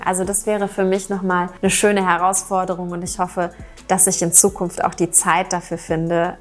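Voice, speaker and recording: A woman from Romania, a German teacher hosting a Q&A vlog, speaking in an animated, friendly way straight to her viewers and a little quicker than usual. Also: fairly low pitch. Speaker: German teacher and channel host.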